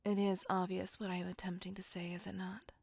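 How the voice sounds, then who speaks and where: A woman's voice: fairly low pitch, little pitch movement, fairly quick, creaky, darkish tone, slightly rough, no echo. A woman voicing a polite, possessive female vampire in an ASMR roleplay, speaking formally and often whispering close to the mic. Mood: whispered yearning. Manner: formal, courteous old-fashioned speech; whispering intimately. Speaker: voice actor.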